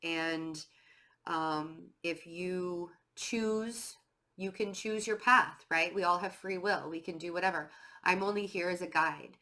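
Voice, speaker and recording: Her nose stuffed up from a cold, this woman speaks slowly in a low-ish, pushed and bright voice that's a bit nasal. She offers a laid-back tarot reading on camera, rambling with plenty of "um"s and "like"s and calling herself nervous and fidgety.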